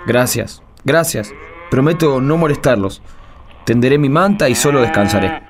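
A self-doubting young fugitive disciple, played by a man in a radio drama. He speaks Argentine Spanish with a pleading, self-deprecating manner. His voice sits at an ordinary middle pitch for a man. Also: expressive, moderate pace, crowd noise, natural voice. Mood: weary, humble. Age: young adult. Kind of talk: radio play dialogue acting.

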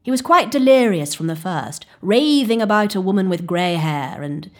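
A woman reading the part of a kindly, calm senior physician, an older man who speaks soothingly. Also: medium pitch, moderate pace, lightly acted. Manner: kind, soothing.

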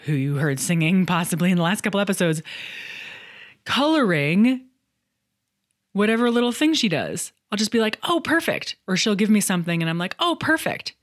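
A woman's voice: fairly low pitch, no echo, studio quality. A middle-aged woman hosting a solo podcast, talking through book reviews in a candid, chatty way with some self-deprecating humor. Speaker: podcast host and coach.

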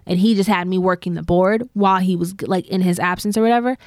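A woman's voice: lowish voice, fairly even intonation, a little mellow, no echo, studio quality. A woman co-hosting a podcast, retelling gossip in a chatty, meandering way full of fillers. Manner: chatty storyteller, drawn-out filler-laden retelling. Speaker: podcast co-host. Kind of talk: casual gossip chat.

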